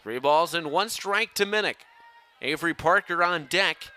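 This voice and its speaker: Young guy doing play by play, very bright forceful voice, bit high, faint outdoor noise behind. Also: normal speed, smooth. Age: young adult. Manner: projected, excited on big plays. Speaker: play-by-play sportscaster. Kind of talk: live sports play-by-play commentary.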